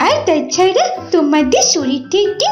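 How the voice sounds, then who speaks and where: A woman's voice: extremely high pitch, very animated, moderate pace, a little mellow, highs cut off. A woman voicing a cheeky, arrogant young girl fox cub in a cartoon, whiny and scornful. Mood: haughty disgust. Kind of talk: cartoon voice acting. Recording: roomy echo with music.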